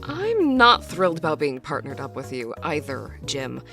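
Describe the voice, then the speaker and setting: A woman's voice: low-pitched, wildly swooping pitch, moderate pace, over music, heavily acted. A woman voicing a bossy, condescending female crime-syndicate grunt in a fan parody cartoon, with cutting delivery. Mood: scornful.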